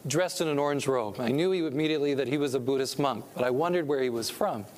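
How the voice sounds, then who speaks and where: A middle-aged man from California giving an earnest, preacherly talk to a church audience as a pastor and missionary speaker. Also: fairly high pitch. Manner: earnest, preacherly, rising with emphasis on key points.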